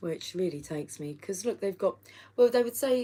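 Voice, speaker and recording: Speaking in a Kent accent, a woman has a dark, mellow tone. Her intonation is lively. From Kent, southern England. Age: 40s. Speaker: tarot card reader. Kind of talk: live stream tarot reading. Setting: live stream.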